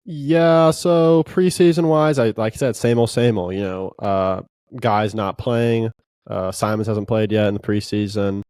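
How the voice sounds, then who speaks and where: A man hosting a casual sports podcast, relaxed and rambling, with lots of fillers. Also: on the low side, measured pace, clean tone, dry recording, studio quality. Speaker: podcast host.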